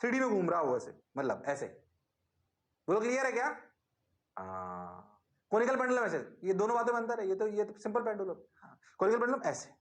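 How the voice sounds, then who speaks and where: A man teaching physics in an online class, energetic and coaxing, repeating prompts to his students. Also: high-pitched, echoey room.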